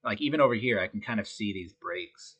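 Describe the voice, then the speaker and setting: A man with a congested voice from a head cold, talking through a web coding tutorial in a relaxed way with many fillers. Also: on the low side, a little fast, slightly rough. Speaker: web design instructor. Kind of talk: screen-recorded coding tutorial.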